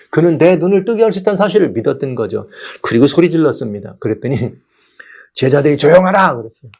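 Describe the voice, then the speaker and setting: A male pastor giving a lively sermon, often putting rhetorical questions to the congregation. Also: on the high side. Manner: animated preaching, asks rhetorical questions.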